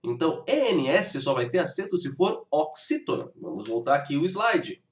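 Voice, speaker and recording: A man's voice: on the high side, big pitch swings, normal speed, reverberant. A man teaching a grammar lesson, explaining rules step by step and often checking in with his students. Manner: explanatory, keeps checking in with "tá bom?".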